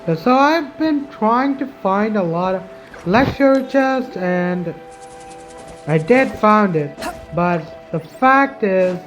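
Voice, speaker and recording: Female gaming streamer; informal, slow-paced, halting commentary over faint game music. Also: mid-range voice, expressive, muffled recording. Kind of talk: casual gameplay commentary.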